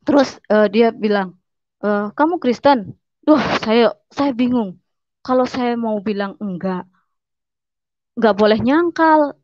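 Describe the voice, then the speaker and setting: A woman's voice: fairly high pitch, takes it slowly, long pauses, darkish tone, no echo, lo-fi sound. A woman giving a personal testimony, telling her story earnestly and often repeating words as she goes.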